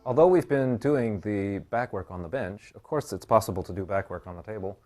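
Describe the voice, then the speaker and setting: A man teaching a hands-on bodywork class, explaining each step calmly and guiding his client's breathing slowly. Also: on the low side, faint music behind. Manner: calm, measured explanation with slow guiding instructions. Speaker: bodywork instructor.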